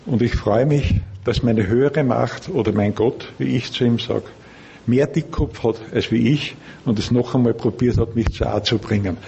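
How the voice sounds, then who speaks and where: A middle-aged or older man with an Austrian accent gives a personal testimony to a group in measured, careful standard German. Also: mid-range voice, creaky, mellow, muffled recording. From Linz, Austria. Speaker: speaker at a recovery meeting. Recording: background noise, room ambience.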